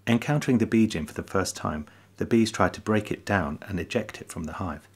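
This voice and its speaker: A man narrating a short nature documentary in a calm, measured, explanatory voice-over. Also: fairly low pitch, slightly rough. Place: voice-over, not recorded in the pictured hive.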